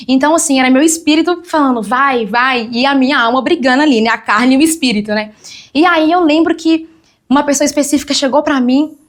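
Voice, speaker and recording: A woman's voice: high-pitched, a little fast. A young woman, telling her testimony as a guest on a church talk show and acting out the voices of people she quotes. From Brazil.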